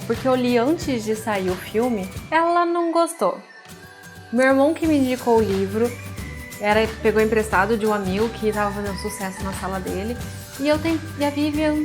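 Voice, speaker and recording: An author who hosts a writing advice series gives a writing lesson in a fairly high voice with a Brazilian Portuguese accent and a pulled R. She addresses the viewer directly and informally in a didactic talk with read-aloud book excerpts, with faint music behind her.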